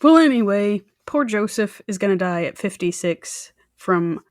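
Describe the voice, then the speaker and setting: A woman's voice: medium pitch, expressive, measured pace, no echo, studio quality. A woman co-hosting a true crime podcast, telling the story in a chatty, informal way with wry, joking asides. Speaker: podcast co-host presenting the case.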